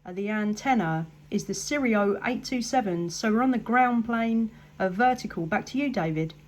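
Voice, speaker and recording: A woman's voice: mid-range voice, normal speed, poor audio. An English woman chatting casually as a CB radio operator, upbeat and appreciative in manner. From England. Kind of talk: casual radio contact chat.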